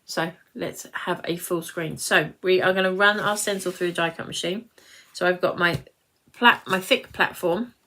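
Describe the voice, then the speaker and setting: Hosting a live craft tutorial, this nearly fifty-year-old British woman chats and rambles, breaking away to address her viewers. She speaks at normal speed in a lowish voice, barely pausing, and her delivery sounds pushed and bright.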